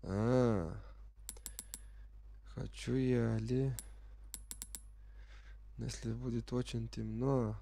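A sick man speaking as a non-native speaker, giving halting, unsure commentary as he plays a game for the first time and reads the menus aloud. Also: medium pitch, fairly even intonation, gravelly, warm tone. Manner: reads game menu text aloud while puzzling over it. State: sick with a virus. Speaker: gamer playing on camera.

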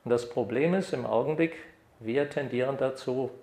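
An older man giving an academic lecture at a podium microphone, lively when reading examples aloud. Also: mid-range voice, normal speed. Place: lecture hall. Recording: echoey hall.

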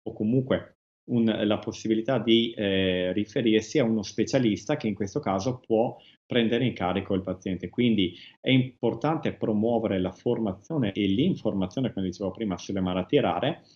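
A man speaking as an expert guest in a TV interview, measured and hesitant, with frequent restarts. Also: lowish voice, a little mellow, highs cut off. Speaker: guest expert on rare diseases. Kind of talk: TV interview answers.

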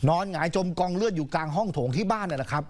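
A male news anchor tells the story in a loose, conversational way, keeping it chatty and casual. His voice sits a little high, and his delivery is relaxed and talkative. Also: rapid-fire. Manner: casual, chatty, uses polite particles.

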